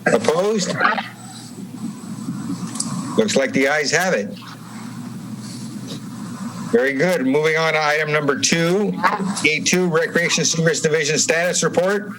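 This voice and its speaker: A man with a slightly high voice chairs a formal meeting. He moves through procedure deliberately, with halting pauses. There is faint noise on the meeting-call recording. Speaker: commission chairman. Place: remote meeting over Zoom.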